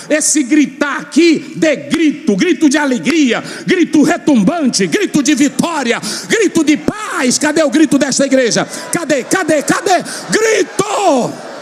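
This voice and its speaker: A pastor preaches a fiery, sing-song sermon, shouting and chanting as his very high voice leaps up and down. He urges the congregation to shout back in call and response. The long echo of a large hall trails every phrase.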